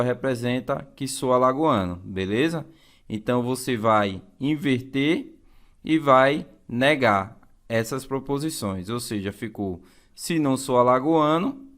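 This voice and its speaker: A man's voice: mid-range voice, a bit bright. A man with a Brazilian accent teaching an exam-prep lesson in a didactic way, repeating key phrases and checking in with listeners.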